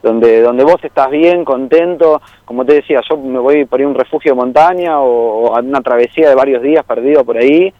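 A man's voice: medium pitch, a little fast, hardly any pauses, no room sound, muffled recording. A young Argentine man talks casually as a radio guest who works as a tour guide. He rambles, uses many fillers and laughs easily. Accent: Argentine Spanish.

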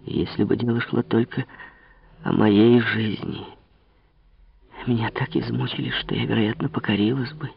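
A man voicing a young woman, a desperate lover pleading in breathy whispers in an audiobook reading, on a dull lo-fi recording. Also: medium pitch, fairly even intonation, normal speed, long pauses, no room sound. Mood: sorrowful.

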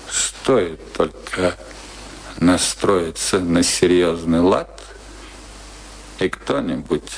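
A wry ageing husband in a radio drama about a bitter marriage. His delivery is slow and theatrical, with a gravelly creak and wide swings between teasing and brooding. There is faint noise on the old recording. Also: deep voice, heavily acted, poor audio. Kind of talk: Russian radio play acting, dramatic dialogue.

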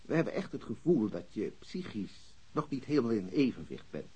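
A senior police chief in a radio drama. His husky voice moves around a lot in pitch as he talks down to a subordinate, formal yet hesitant and patronizing. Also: big pitch swings, brisk, dark tone, low-quality recording. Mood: awkwardly critical. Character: senior police chief, awkwardly breaking bad news to subordinate.

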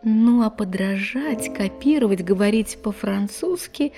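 Actress doing plucky hopeful young woman in audio drama, talks slow n expressive, music under it. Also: medium pitch, lightly acted. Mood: excited, self-assured. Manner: musing aloud, expressive. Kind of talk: theatrical audio drama acting.

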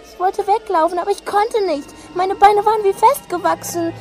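A scared young boy in a radio drama, his voice high and youthful. He tells his story in a fearful, halting way, with faint music underneath. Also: steady tone. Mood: fearful recounting. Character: frightened young boy telling of a witch. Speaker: child character Jeremy. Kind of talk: German radio drama acting.

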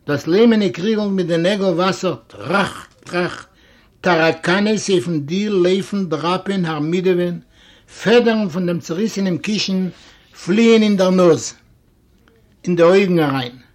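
High-voiced man narrating a classic tale. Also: measured pace. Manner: lively, expressive storytelling with voiced characters. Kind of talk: dramatic reading of a classic story.

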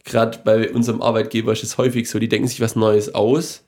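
A man's voice: fairly low pitch, flat delivery, fast, a little mellow. A young man co-hosting a podcast, rambling and opinionated in casual chat, swearing freely. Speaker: podcast co-host.

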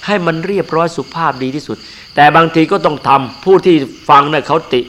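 A man's voice: fairly high pitch, brisk, fairly bright tone, a little hiss or hum. An older man, a monk, giving an earnest and emphatic dharma sermon.

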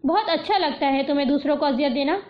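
A woman's voice: high voice, lightly acted. Woman voicing a stern, scolding young man. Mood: angry. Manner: flat, scolding and sarcastic. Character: stern curt young man, brusque and cold. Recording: dull lo-fi audio.

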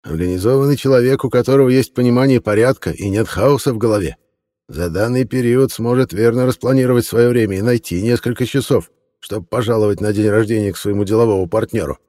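A man's voice: mid-range voice, warm tone, in a large hall, pitched above the performer's own voice, lightly acted. A man putting on a sly old antiquarian. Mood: coaxing. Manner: slow, drawn-out, grandfatherly scolding tone. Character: sly old male antiquarian, fussy and mock-kindly.

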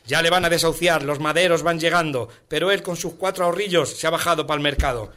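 Bright-voiced man reciting. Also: on the high side, fairly even intonation, fast talker. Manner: rhythmic, emphatic recitation with colloquial clipped words. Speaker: comedian guest. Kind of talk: rhyming satirical poem recital and radio banter.

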